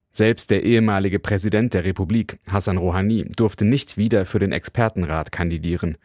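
A man reading a scripted radio news report in an even, formal manner, also voicing translations of interviewees. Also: low-pitched, no echo, clean studio sound. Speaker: radio correspondent.

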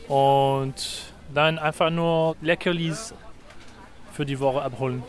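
A man's voice: on the high side, fairly even intonation, slow. A man from France, a native French speaker, explains things in German with a French accent, hesitating between short phrases. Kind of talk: explanatory interview talk.

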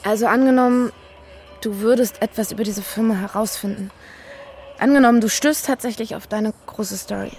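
A woman playing a pensive, uneasy babysitter who talks and narrates in a low-key, hesitant, natural way in a radio drama. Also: brisk, darkish tone, a little hiss or hum, natural voice. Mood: musing, doubtful. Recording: music under the voice. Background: music.

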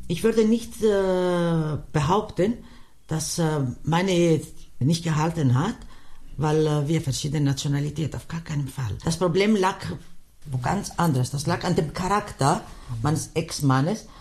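A woman from Greece, answering interview questions hesitantly and thoughtfully, with many pauses and fillers. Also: low voice, darkish tone.

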